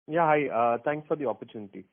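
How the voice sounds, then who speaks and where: A man asking questions as an analyst on a conference call, hesitant and pausing often between phrases. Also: mid-range voice. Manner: hesitant, drawn-out pauses. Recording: tinny phone line.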